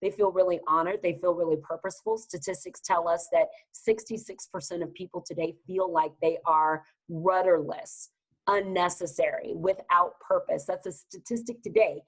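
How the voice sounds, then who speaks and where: A woman from Texas with a Southern accent, speaking as a guest in a podcast interview with an energetic, emphatic, motivational way of talking. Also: lowish voice, moderate pace, poor audio. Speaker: guest business advisor.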